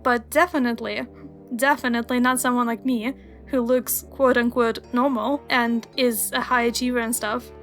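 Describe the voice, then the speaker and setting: A woman's voice: fairly high pitch, fairly even intonation, moderate pace, fairly bright tone, faint music behind. A young woman whose first language is Russian, narrating a scripted video essay in an earnest, wry, explanatory way. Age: young adult.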